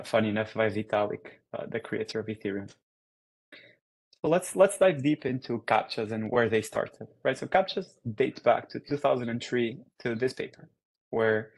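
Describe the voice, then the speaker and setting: A young man from Portugal gives an online research talk as a guest speaker over a video call. His mid-range voice comes through poor audio, and he keeps things casual and upbeat, using lots of fillers.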